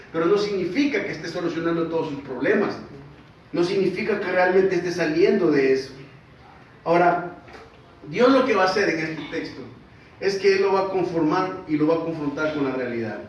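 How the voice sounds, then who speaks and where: A pastor preaches conversationally and keeps asking his congregation questions. His voice sits a little high for a man. He is heard from well back in a large, strongly echoing church hall, and the sound is muffled. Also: slight background noise. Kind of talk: sermon. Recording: distant echoey hall, dull sound.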